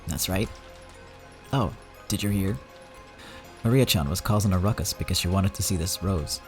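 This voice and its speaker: A man voicing a polite, soft-spoken middle-aged husband in a visual novel reading. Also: deep voice, moderate pace, over music, natural voice. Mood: concerned.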